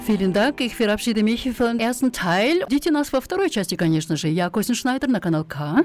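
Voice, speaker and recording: Speaking at a very slow pace with a Russian accent, a woman with a fairly high pitch keeps her loudness very even while her pitch swings very widely, over noticeable background noise. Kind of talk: bilingual radio show presentation. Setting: studio.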